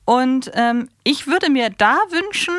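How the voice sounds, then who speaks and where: Higher-voiced woman chatting on a podcast. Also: lively intonation, slow pace, fairly bright tone, dry recording, clean studio sound. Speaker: podcast co-host. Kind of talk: casual podcast discussion.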